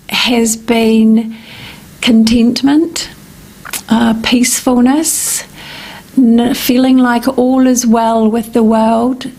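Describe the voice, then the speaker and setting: A middle-aged woman from New Zealand, a life coach hosting a casual radio talk segment, with a slightly croaky voice and a meandering way of speaking, full of ums and restarts. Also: a little high, darkish tone, rough recording.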